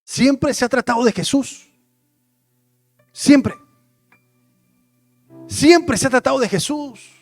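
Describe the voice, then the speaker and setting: A male pastor preaching with passion, swinging between loud declarations and hushed, prayerful asides. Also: very high-pitched, takes it slowly, pauses often, no echo, faint music behind. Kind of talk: sermon.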